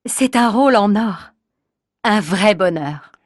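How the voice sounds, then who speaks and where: A woman performing an actress being interviewed, in a scripted learner dialogue, speaking measured and deliberate. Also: mid-range voice, lively intonation, no room sound, clean studio sound. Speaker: voice actor and title announcer.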